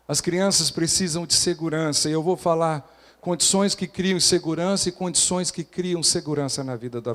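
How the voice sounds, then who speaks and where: A pastor preaching a sermon, animated, acting out quoted voices and questioning the congregation. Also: male voice, on the high side.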